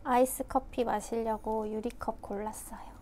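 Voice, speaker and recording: A woman's voice: a little high, flat delivery, normal speed, noisy background. A woman in her thirties chatting cheerfully as she narrates a casual home vlog. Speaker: vlogger. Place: home indoors.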